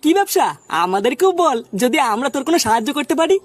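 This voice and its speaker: Acted high-pitched, quick-talking cartoon village lad. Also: very animated, no room sound. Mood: doubtful. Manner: colloquial, questioning, doubtful. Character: easygoing jobless young village man, practical, hesitant. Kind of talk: comic cartoon dialogue. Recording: background noise with chirping birds.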